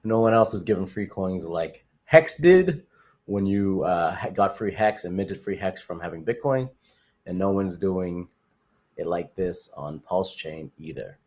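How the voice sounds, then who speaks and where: A man's voice: deep voice, animated, unhurried, darkish tone. A young Canadian man talking casually on a livestream, answering viewer comments in a rambling, upbeat way with lots of fillers and repeated phrases. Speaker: crypto livestream host.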